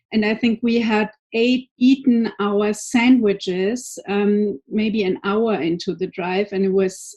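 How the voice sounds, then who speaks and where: Somewhat breathy, a woman speaks with a fairly high pitch and a German accent. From Germany. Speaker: storytelling workshop participant. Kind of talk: personal storytelling. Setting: video call. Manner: hesitant, with many fillers.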